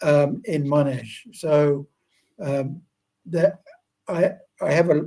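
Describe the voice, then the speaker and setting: Somewhat breathy, with a dark, mellow tone, from a man pitched fairly high. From Fiji. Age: 70s. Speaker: academic and musician. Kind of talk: casual interview chat.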